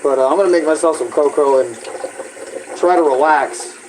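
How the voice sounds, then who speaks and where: This is a low-quality recording with slight background noise of a young man vlogging in his kitchen, using a nearby propped-up tablet as his mic. He rambles casually with lots of fillers in a slightly high, darkish voice at a moderate pace, occasionally sounding froggy.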